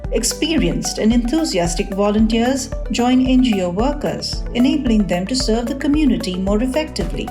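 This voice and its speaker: A woman hosting an interview show, reading a scripted promo and asking questions with short encouraging replies. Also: fairly high pitch. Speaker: podcast host.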